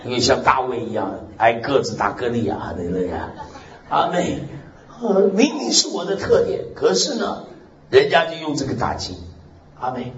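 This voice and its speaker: Man, pastor, loud strong voice, lively sweeping pitch, roomy muffled sound. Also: moderate pace. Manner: animated preaching punctuated by frequent "amen" and "hallelujah", with laughter. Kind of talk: lively Mandarin sermon. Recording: roomy, muffled recording with faint hiss.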